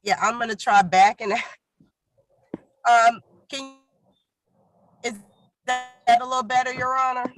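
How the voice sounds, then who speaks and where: A woman prosecutor speaking formally in a remote court hearing. Her voice comes through buzzy, glitchy video-call audio that keeps cutting out, and she talks haltingly with many uh fillers. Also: on the high side, little pitch movement, a bit bright, faint music behind, rough recording. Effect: buzzy glitchy video-call audio that keeps breaking up.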